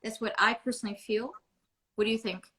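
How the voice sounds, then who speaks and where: A woman's voice: a little high, fairly even intonation, brisk, bright, forceful tone. An American woman from Beverly Hills, an actress chatting as a guest in an interview, rambling with many restarts. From United States. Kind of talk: casual interview chat.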